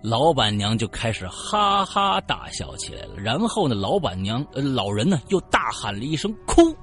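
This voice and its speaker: A man's voice: mid-range voice, wildly swooping pitch, moderate pace, a bit bright, soft background music. A man from Qinghai telling a ghost story in a chatty, casual way, turning aside to talk to his listeners. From Qinghai, China.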